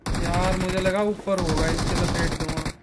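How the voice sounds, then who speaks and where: A man streaming a mobile battle game, chatting casually and pleading excitedly with other players. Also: sits high, normal speed, very noisy. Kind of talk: casual gaming commentary.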